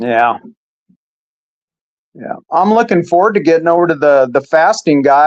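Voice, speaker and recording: A man's unremarkable speaking voice, fairly high in pitch, at a moderate pace with a dry, close sound and no echo. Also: quiet background. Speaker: livestream guest. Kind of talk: casual chat.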